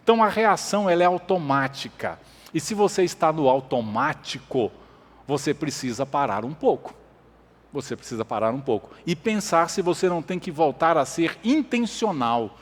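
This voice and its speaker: A man's voice: fairly high pitch, animated, normal speed, long reverb tail. A man preaching a sermon as pastor, emphatic, repeating his points and asking the congregation questions. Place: church.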